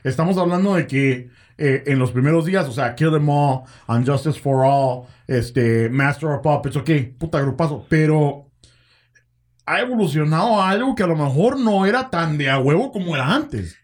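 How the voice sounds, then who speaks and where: A middle-aged man with a Guatemalan accent hosting a casual, slangy chat, haltingly, often checking that others agree. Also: fairly high pitch, lively intonation. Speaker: host.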